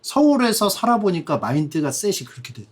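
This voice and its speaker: A Korean man in his forties hosting a casual studio chat, telling stories in an animated, bantering way. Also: high voice, brisk, crowd noise. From South Korea. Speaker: host.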